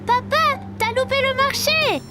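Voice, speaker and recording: A performer voicing a curious, excitable little boy with a childlike high voice in a French-dubbed children's cartoon. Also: measured pace, over loud music. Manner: inquisitive, naive.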